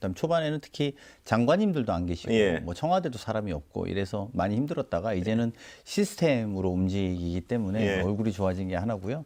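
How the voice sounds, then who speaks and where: On a very clean recording with a silent background, a man talks at a very fast pace. His fairly low voice carries lively intonation. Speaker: presidential chief of staff. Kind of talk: interview answer.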